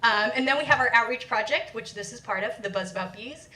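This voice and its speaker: A young woman researcher giving an animated talk to a live audience, moving around as she speaks. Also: on the high side, fast talker. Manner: animated and energetic, moves around while speaking. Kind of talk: lively public lecture to a live audience. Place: lecture room with audience. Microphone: handheld or stand mic, sometimes away from it. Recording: echoey room, voice from a distance.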